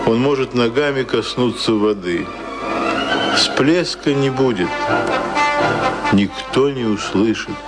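An actor playing a solemn narrator, reading literary prose in a radio drama with a measured delivery. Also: male voice, medium pitch, poor audio. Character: solemn, measured storyteller of a seafaring tale. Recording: prominent music under the voice.

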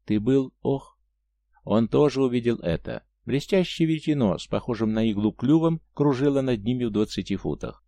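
A man narrating an audiobook in a steady, measured reading. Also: mid-range voice, no echo. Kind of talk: audiobook narration of science fiction.

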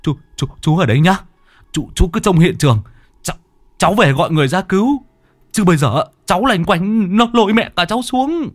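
A man's voice: medium pitch, very animated, fast, darkish tone, slightly rough, no echo, clean studio sound. A man voicing a cheeky young village man who teases and talks in a hurry. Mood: hurried.

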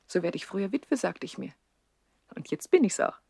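An actress playing a haughty, coquettish young widowed princess in a 1960s German radio play, imperious and teasing in a theatrical way. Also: female voice, mid-range voice, sing-song, normal speed, gravelly, mellow, slightly rough, no room sound, clean studio sound, full character voice. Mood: haughty, flippant.

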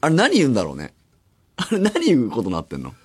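A man in his forties, a radio host, talking in rambling casual chat with animated acted-out asides, in a studio. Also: mid-range voice, fast, slightly rough. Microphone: studio microphone.

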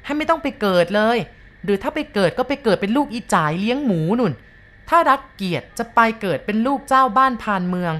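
A woman voicing a stern village exorcist who speaks firmly and deliberately in a spoken ghost story. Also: mid-range voice, a little mellow, close to an everyday voice. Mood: threatening. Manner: firm, commanding, slow and deliberate.

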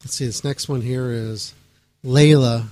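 A man hosting a radio show, talking casually and rambling excitably, cursing freely as he chats to listeners. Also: mid-range voice, a little slow. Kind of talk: casual late-night radio chat.

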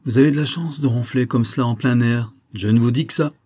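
A man's voice: medium pitch, brisk, warm tone, pitched above the performer's own voice, lightly acted. A man voicing an easygoing male gypsy traveller who talks in a jovial, familiar way.

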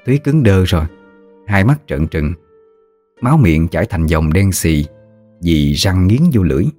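A man tells a ghost story in a steady, somber way. His voice is very deep, and soft music plays faintly underneath. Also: normal speed.

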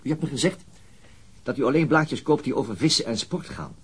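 An actor playing a persistent police interrogator in a radio crime drama, probing, controlled and insinuating. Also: male voice, medium pitch, animated, fairly quick, husky. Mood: accusing, controlled. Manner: insistent, probing.

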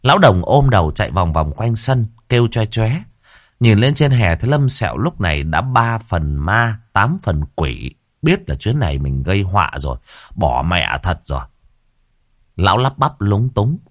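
A man narrating a ghost story in a vivid, lively way. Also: lowish voice, moderate pace, dry recording, clean studio sound. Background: faint background music.

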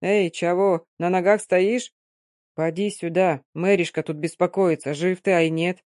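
A reader voicing an old gypsy man who shouts with fervour and speaks in a folksy way. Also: medium pitch, steady tone, a little slow, no echo, clean studio sound, close to an everyday voice. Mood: folksy, coaxing.

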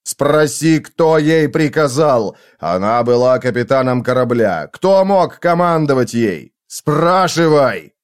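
Man acting a driven, desperate man with swinging pitch. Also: very animated, slow pace. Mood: demanding. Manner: commanding, harsh, emphatic. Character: furious, desperate, driven man hunting for answers.

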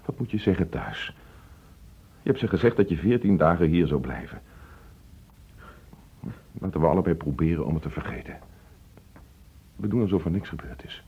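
Deep-voiced, husky father in an old radio play. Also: full character voice. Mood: remorseful, pleading. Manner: reproachful, emotional, halting when upset. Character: frustrated divorced father pleading with his teenage son. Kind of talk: Dutch radio play acting. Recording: dull, muffled old radio play recording.

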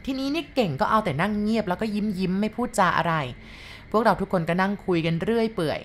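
A woman's voice: medium pitch, fast, slight background noise. A woman narrating a ghost story to her listeners in a polite, storytelling manner.

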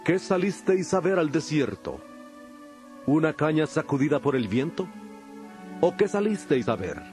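A solemn teacher addressing crowds in a dramatized Bible recording. His voice sits slightly high for a man, and his delivery is measured and declamatory, with music underneath. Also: big pitch swings, a little mellow. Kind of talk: dramatized audio Bible acting.

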